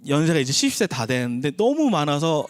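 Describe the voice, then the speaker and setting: A man's voice: very animated, brisk. A man in his thirties preaching a sermon as a pastor, talking with the congregation in a conversational way and acting out the people he quotes. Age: 30s. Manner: conversational preaching, acts out quoted voices with shifts in pitch. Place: church sanctuary.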